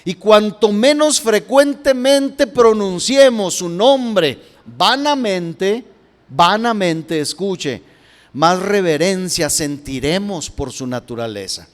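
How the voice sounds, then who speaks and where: High-voiced pastor preaching in a reverberant church. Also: male voice, animated, slow. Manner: addresses listeners as brother, rising and falling emphasis. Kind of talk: sermon. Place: church hall.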